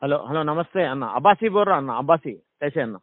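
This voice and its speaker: On a recorded phone line, a man with a Hyderabadi accent informally petitions a minister on behalf of his community. He talks fast and expressively in a voice on the high side, deferentially repeating short acknowledgments, with no room sound.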